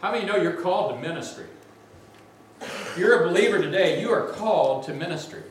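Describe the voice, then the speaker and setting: A man with a big, slightly high voice preaches to a congregation in an energetic, conversational way, adding asides as he goes. He is heard from a distance in a very reverberant church, with a faint hum of the room behind him. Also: a little fast. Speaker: guest preacher. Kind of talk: sermon. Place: large church sanctuary.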